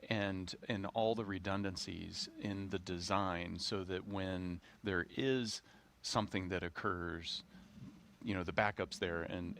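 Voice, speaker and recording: A man, an astronaut guest, talking off the cuff in a halting, reflective way with repeated words. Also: low voice, a bit bright, slight background noise. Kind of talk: unscripted live broadcast conversation.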